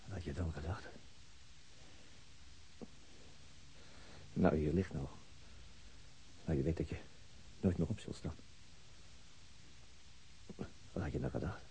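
A man's voice: rumbling low, brisk, gravelly, warm tone, a little hiss or hum, low-quality recording. A man acting a determined, stoic, terse policeman in a Dutch radio drama. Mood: quiet, bleak.

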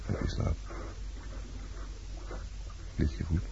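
An actor in a Dutch radio play playing a world-weary, blunt lover and sailor, terse and fatalistic. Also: male voice, slow, dark tone, close to an everyday voice. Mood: brooding, curt. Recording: dull, noisy old radio drama recording.

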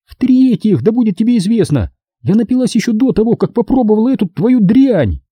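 A man's voice: high voice, very animated, a little fast, dark tone, slightly rough, dry recording, voice pushed up, exaggerated voice. Tipsy rambling woman, a man putting her on. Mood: tipsy, indignant. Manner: drunken rambling, counting points. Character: tipsy young woman, tangled, indignant, chatty. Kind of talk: audiobook reading.

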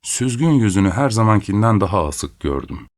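A man reading a first-person story aloud as narrator, in a steady, measured way. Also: lowish voice.

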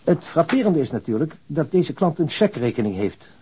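An actor playing a precise, helpful bank official in a radio drama, explaining things in a formal manner. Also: male voice, a little high, big pitch swings, a little fast, dark tone, slightly rough, exaggerated voice. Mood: precise, businesslike.

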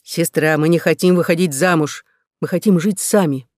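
A man's voice: a little high, normal speed, no room sound, clean studio sound, close to an everyday voice. A man voicing a determined young woman settler, speaking earnestly and persuasively.

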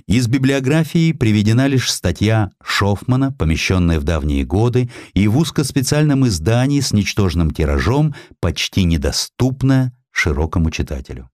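A male audiobook narrator tells history in a theatrical, measured way. His voice sits on the low side and moves with lively, varied intonation. The sound is dry, with no room on it. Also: no echo. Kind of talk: expressive scripted historical narration.

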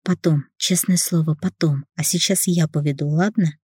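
A tender young lover, read by a man in a romance audiobook, hushed and gentle. His tone is warm and dark, in a dry, close recording. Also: fairly high pitch, steady tone, normal speed, breathy edge, no echo. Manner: soft, hushed delivery.

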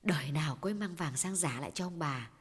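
A man's voice: a little high, lively intonation, fast talker, breathy edge, pitched above the performer's own voice. A man doing a hesitant, worried young wife. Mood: fearful. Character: anxious young wife and timid maid, women. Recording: echoey hall reverb.

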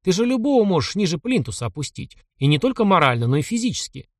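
A man's voice: sits high, big pitch swings, fast talker, dry recording, clean studio sound, pitched above the performer's own voice. A man voicing a young male officer who grumbles wearily at his overbearing grandfather. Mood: exasperated grumbling. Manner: grumbling, weary complaints.

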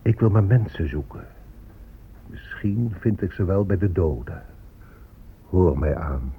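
Deep-voiced, weary Native American chief. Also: male voice, lively intonation. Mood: weary, mournful. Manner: slow, declamatory, mournful. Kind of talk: solemn radio drama oratory. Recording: muffled lo-fi tape with faint rumbling noise.

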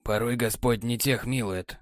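A man voicing a weary, gruff sea captain who is a tender husband, speaking low with sighs and mutters. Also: steady tone, normal speed, no room sound, clean studio sound, lightly acted. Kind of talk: audiobook character voice.

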